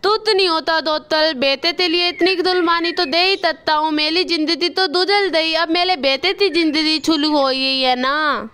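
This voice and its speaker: A woman's voice: extremely high pitch, normal speed, few pauses, pushed and bright. A woman voicing a kind, self-sacrificing male crow father who talks with a heavy lisp. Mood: lisping, fond. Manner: lisping baby-talk speech.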